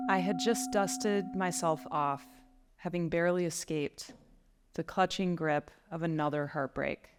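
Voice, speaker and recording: A woman speaks at a moderate pace with a fairly low pitch and lively intonation. Music plays in the background. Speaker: psychotherapist. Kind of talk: spoken word poetry performance.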